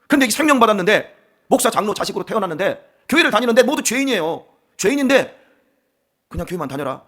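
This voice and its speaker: A man's voice: high-pitched, slightly rough. A middle-aged male pastor giving a dawn sermon, teasing and questioning the congregation in a conversational way.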